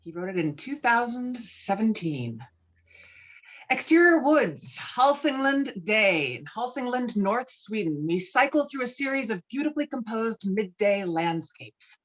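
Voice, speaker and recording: A woman's voice: a little high, sing-song, a little slow, dull audio. A woman reading screenplay stage directions as narrator at a table read.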